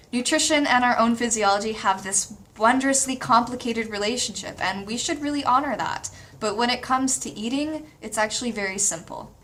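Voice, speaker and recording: Talking at a fairly quick pace, a woman with a Canadian accent has a high pitch and ordinary pitch variation, with noticeable background noise behind her. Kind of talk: calm, explanatory talk.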